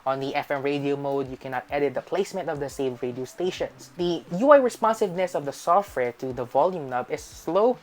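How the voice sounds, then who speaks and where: A woman with a low-pitched voice narrates a scripted gadget review as host of a tech channel. Her intonation is very lively, starting phrases with emphasis and letting them fall away at the end. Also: fairly quick, hardly any pauses.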